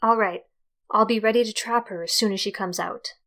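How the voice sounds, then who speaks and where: A woman's voice: mid-range voice, steady tone, a little fast, fairly bright tone, natural voice. A woman playing an earnest, inventive young tinkerer in an audio drama, explaining things conversationally. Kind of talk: amateur audio drama acting.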